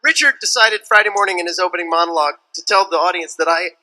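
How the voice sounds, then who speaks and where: Middle-aged male panelist, high bright voice, animated storyteller who laughs a lot. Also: quick pace, low-quality recording. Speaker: convention panelist. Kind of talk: comedic panel banter.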